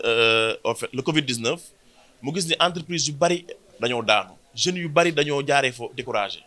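A man in his thirties with a Senegalese accent, an event organizer giving a measured, explanatory statement at a press conference in an indoor room. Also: medium pitch, bright, forceful tone. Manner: switches between French and Wolof, measured and explanatory. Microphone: cluster of handheld press mics.

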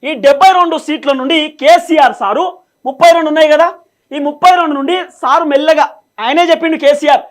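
A man's voice: very high voice, fast talker. A man with a Telangana Telugu accent giving explanatory political commentary as a news presenter, emphatic and repetitive, often asking questions and answering them himself.

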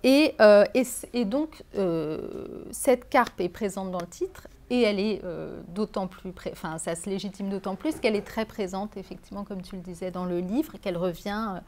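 A middle-aged woman talks at a bookshop event, halting and searching for words, with frequent pauses and fillers. Her voice sits at a medium pitch and is picked up by a camera mic at some distance. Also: a little mellow, slight background noise. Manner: hesitant, many fillers and restarts. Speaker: author. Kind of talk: bookshop author talk. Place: bookshop reading event, indoors.

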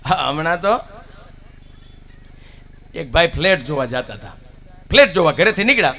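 A man telling devotional stories and jokes to a live audience, animated, swinging between loud and hushed. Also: a little high, normal speed. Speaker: folk storyteller. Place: live outdoor stage event.

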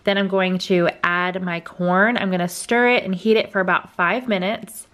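A woman's voice: lowish voice, fairly even intonation, moderate pace, a bit bright. A young woman hosting a casual cooking vlog from her home kitchen, talking to viewers in a chatty, upbeat way. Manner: chatty, upbeat, addresses viewers as y'all and guys. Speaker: cooking vlogger. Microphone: camera at close range.

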